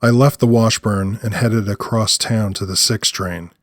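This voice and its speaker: A man's voice: fairly low pitch, steady tone, measured pace, no room sound, studio quality. A man narrating scripted first-person audio fiction. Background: music.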